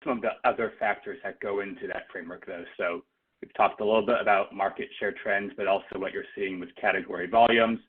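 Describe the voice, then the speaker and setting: A male analyst with a lowish, husky voice puts polite questions on a business call. The audio is thin and phone-like. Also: fairly even intonation, quick pace. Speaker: financial analyst asking questions. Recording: rough narrow phone line.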